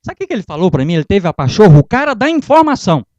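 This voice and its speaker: Lively high-voiced man telling stories. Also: very fast, no echo. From Brazil. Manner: animated storyteller who acts out dialogues. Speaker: guest lecturer. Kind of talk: humorous motivational lecture. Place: lecture hall. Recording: dull lo-fi dry lecture recording.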